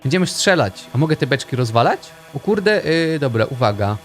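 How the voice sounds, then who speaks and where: A young man narrates his gameplay in a playful, chatty way, teasing the characters on screen. His pitch swoops up and down as he reacts. Soft game music runs quietly underneath. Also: sing-song, a little fast. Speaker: gaming YouTuber. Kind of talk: let's play commentary.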